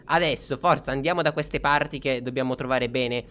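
A man's voice: mid-range voice, brisk, bright, forceful tone, slight background noise. A man with an Italian accent leading a Minecraft role-play with friends, bossy and teasing, with theatrical outbursts. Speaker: host and group leader.

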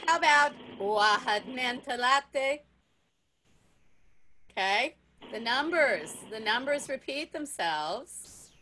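A middle-aged woman leading a teacher workshop over a video call, chatty and unhurried, often laughing and asking okay. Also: a little high, bright, forceful tone, slight background noise, low-quality recording. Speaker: music workshop leader for teachers.

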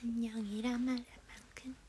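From a dim bedroom, this idol livestream host, a woman in her twenties with a Korean regional dialect, casually reads comments aloud on a phone held at arm's length. Her fairly high voice has little pitch movement at normal speed, softly sliding into whispers and giggles, with slight background noise.

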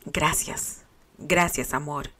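A woman's voice: low-pitched, steady tone, slow, pushed and bright, slight background noise, voice pushed down, full character voice. Terry, as a woman reader voices him, tender young man. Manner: tender, teasing. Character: young man, proud teasing sweetheart.

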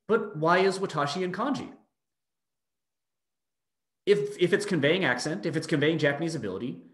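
A man's voice: on the high side, a bit bright. A man giving an explanatory academic lecture over a video call, posing rhetorical questions as he goes. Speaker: university lecturer. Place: indoor room on a video call. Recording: roomy, echoey video-call audio.

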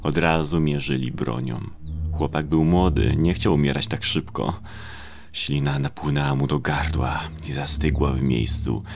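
Very deep, slow, gravelly male narrator. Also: steady tone, a little hiss or hum. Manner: slow, brooding delivery in short phrases with pauses. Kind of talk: scripted dramatic narration of a horror audio drama. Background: atmospheric sound effects.

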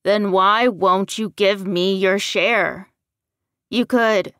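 Audiobook role: bitter, combative young werewolf man , read by a woman, unhurried, dry close sound. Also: mid-range voice, steady tone, fairly bright tone, dry recording. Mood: taunting. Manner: combative, demanding, sarcastic. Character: angry, sick, accusing young man turned werewolf.

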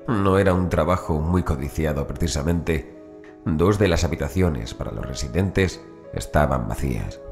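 Horror audiobook narrator: man with a very deep voice, formal measured delivery, over music. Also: darkish tone. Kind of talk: scripted horror story narration.

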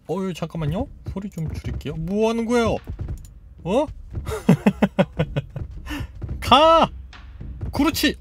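A woman's voice: mid-range voice, slight background noise. A woman casually commenting on a mobile game she is playing, cheering the robot on and voicing sound effects as she goes. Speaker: gaming YouTuber.

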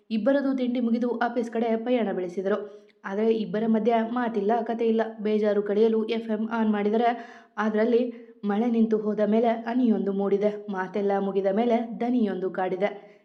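A woman narrates a romantic storybook tale in a gentle, expressive way. Her voice sits in a middle pitch, and the recording sounds a bit muffled and lo-fi.

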